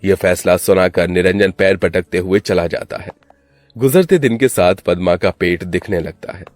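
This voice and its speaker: A man narrating a dramatic cartoon story in a steady voice. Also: sits low, normal speed, faint music behind.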